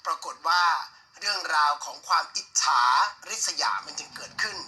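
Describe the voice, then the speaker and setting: A man presenting a story in a broadcast style, delivering it deliberately in short, pointed phrases. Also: on the high side, sharp tone.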